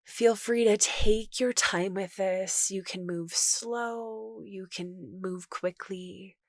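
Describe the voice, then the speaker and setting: Gentle woman guiding meditation, close dry sound. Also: mid-range voice, fairly even intonation, no echo. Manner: gentle, reassuring, unhurried. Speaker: yoga and meditation teacher. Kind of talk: guided meditation instruction.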